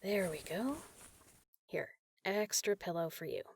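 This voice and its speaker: A woman playing a caring, teasing big sister in an intimate comfort roleplay, talking softly and casually. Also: on the low side, lively intonation, unhurried, creaky, husky, no room sound, studio quality, full character voice. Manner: soft, soothing, casual, playful.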